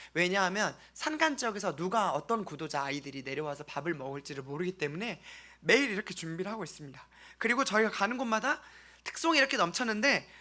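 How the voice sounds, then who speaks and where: A man from South Korea presenting an earnest mission-trip testimony to a congregation as a church member, speaking haltingly with pauses. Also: high-pitched, sharp tone.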